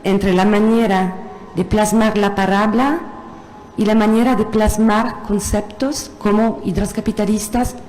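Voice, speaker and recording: Woman, non-native speaker, mellow tone, halting delivery, audience questioner. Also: medium pitch, steady tone, a little hiss or hum, rough recording. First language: not Spanish. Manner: halting, searching for words in a second language. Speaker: audience member asking a question. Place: university museum hall.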